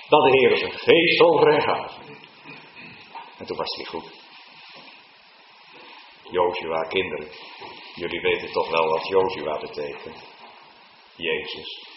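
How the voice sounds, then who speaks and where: A man preaching a sermon to his congregation in church, now and then rising into loud, high, drawn-out calls. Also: echoey room, lo-fi sound, background noise. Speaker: pastor.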